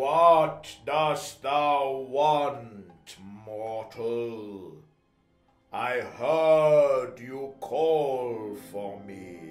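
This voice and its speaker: This man speaks at a very slow pace in a medium pitch, with music playing in the background. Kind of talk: archaic solemn speech.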